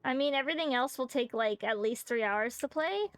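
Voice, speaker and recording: Casting: a playful woman game streamer, high voice, dry close mic, faint music behind. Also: a little fast, clean tone, no echo. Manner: joking, rambling, many fillers. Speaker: VTuber streamer. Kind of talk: casual game-stream chat.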